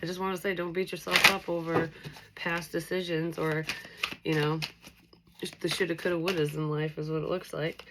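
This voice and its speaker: Low-voiced woman reading tarot, a bit nasal. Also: level tone, moderate pace, heavy background noise. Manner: rambling, many fillers like "like" and "um". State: stuffy with allergies. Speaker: tarot reader. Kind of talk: casual tarot reading for viewers.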